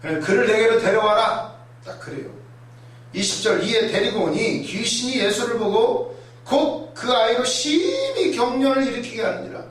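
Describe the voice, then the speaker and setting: A man preaching a sermon in a lively, conversational way, acting out voices and asides. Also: very high voice, normal speed. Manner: animated, acts out voices and asides. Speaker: pastor. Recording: echoey hall, mic far off, faint noise.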